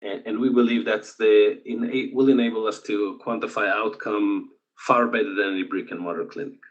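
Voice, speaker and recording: A man with an Israeli accent presents over a video call, his voice pitched a little low and coming through dull and lo-fi. He talks haltingly, filling pauses with lots of "uh" sounds. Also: fairly even intonation. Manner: hesitant, many filler sounds. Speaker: conference presenter. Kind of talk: conference presentation.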